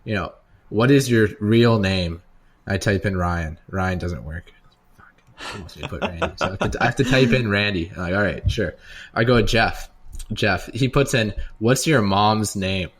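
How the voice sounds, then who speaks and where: A man with a fairly low voice speaks as a podcast co-host. He tells anecdotes casually, in loose, slangy language. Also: moderate pace.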